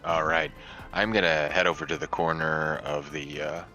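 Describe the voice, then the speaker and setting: A man's voice: rumbling low, big pitch swings, moderate pace, vocal fry, bright, forceful tone, highs cut off, soft background music. A man playing a tabletop roleplaying game, talking casually as one of the players.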